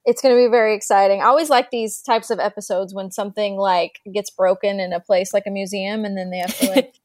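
A woman's voice: medium pitch, steady tone, fast, darkish tone, no room sound, clean studio sound. A woman co-hosting a podcast, upbeat and a little rambling. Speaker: podcast co-host. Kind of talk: casual podcast chat.

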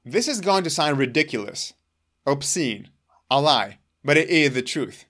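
A man's voice: a little high, big pitch swings, fairly bright tone. Earnest man, Hebrew his first language. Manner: earnest, emphatic, deliberate. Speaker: longevity vlogger. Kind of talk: explaining personal routine to camera.

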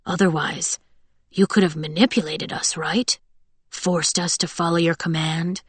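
A woman narrator puts on a male wolf-soldier chief for an audiobook. The voice is low and unhurried. He is sardonic and defiant, with quiet threat in a dry recording. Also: steady tone, breathy edge, no room sound.

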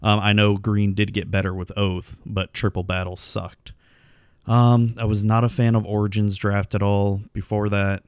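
A man's voice: fairly low pitch, level tone, normal speed, clean tone, no echo, studio quality. A man hosting a casual solo podcast, rambling through plugs and game talk with lots of ums. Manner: rambling, filler-heavy, self-deprecating. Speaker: podcast host.

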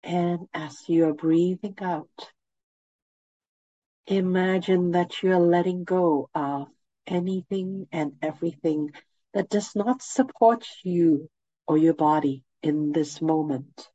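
A woman with a head cold and a nasal voice, leading a guided meditation with gentle, soothing instructions. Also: on the low side, takes it slowly, dry recording, highs cut off.

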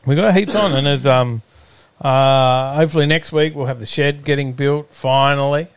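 A man's voice: mid-range voice, normal speed, clear, resonant tone, dry recording. Australian man chatting, close dry sound. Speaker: host of a live-streamed show. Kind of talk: casual, unscripted chat.

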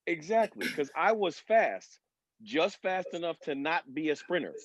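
A former sprinter and decathlete chats casually on a sports talk panel, telling stories and making his points emphatically while often checking in with his listeners. His voice is on the high side with big pitch swings and an unhurried pace, and the recording is dry.

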